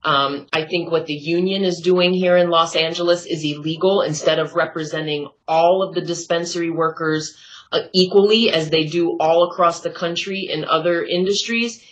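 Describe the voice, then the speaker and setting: A woman's voice: fairly low pitch, fairly even intonation, normal speed, low-quality recording. A woman activist calling in to a show as a correspondent, giving earnest political commentary.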